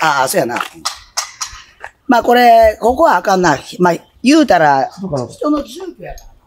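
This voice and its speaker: A woman with a Kansai accent talks at a moderate pace, her fairly high pitch making very wide swings. She leaves long, frequent pauses over light background noise. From Fukui, Japan. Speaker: jazz singer, street musician. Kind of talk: interview answer. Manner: casual, candid. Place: street.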